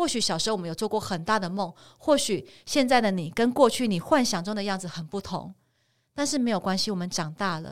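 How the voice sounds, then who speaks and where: On a very clean recording with a silent background, a woman with an unremarkable speaking voice talks at a fairly quick pace in a medium pitch with lively intonation. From southern Taiwan. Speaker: author and business consultant. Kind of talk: podcast interview.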